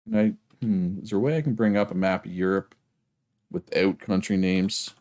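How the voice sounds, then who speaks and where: A man's voice: deep voice, lively intonation, moderate pace, a little mellow. A man with a Prince Edward Island Canadian accent chatting casually to viewers on a game livestream in a rambling way. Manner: rambling, often checks with "right?".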